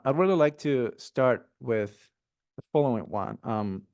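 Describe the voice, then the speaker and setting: A man hosting a podcast interview, upbeat and enthusiastic, with casual fillers. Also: mid-range voice. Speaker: podcast host.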